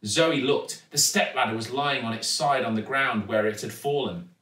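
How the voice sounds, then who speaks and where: A British man reading a children's story aloud in a dramatic, deliberate way. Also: mid-range voice, pushed and bright. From United Kingdom. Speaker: actor reading a children's book. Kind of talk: expressive storybook narration. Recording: echoey room, distant mic.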